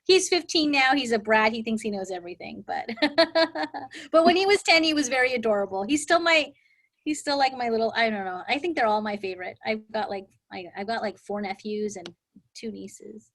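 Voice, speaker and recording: A middle-aged woman leads a live insurance exam prep class, chatting casually, telling stories and peppering her talk with "right?" and "like." Her voice is slightly high and fairly bright, at normal speed.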